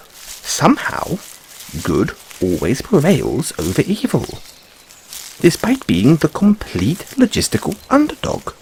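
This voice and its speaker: A man's voice: medium pitch, gravelly, darkish tone, slight background noise, exaggerated voice. A man voicing a curious, fussy white rabbit boy in a fantasy audio roleplay, musing theatrically with quaint, questioning phrasing. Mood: pondering, theatrical.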